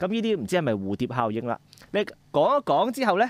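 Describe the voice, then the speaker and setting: A man with a Hong Kong accent speaks at a high pitch, and the sound is dry with no echo. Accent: Hong Kong Cantonese. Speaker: radio host. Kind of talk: casual chat. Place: studio. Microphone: studio mic.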